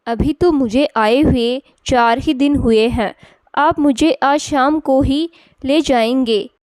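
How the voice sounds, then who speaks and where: Bitter, tearful young wife read by a woman, high clear voice, unhurried, storybook telling. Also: darkish tone, no room sound, studio quality. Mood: pleading. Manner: complaining, resentful.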